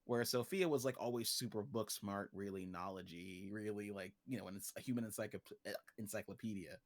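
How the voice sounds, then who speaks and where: A man with a fairly low voice talks casually as a guest on a livestream. He explains a story world he created in an informal, joking manner. The sound is dry, with hardly any room on it. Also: fairly quick, dry recording.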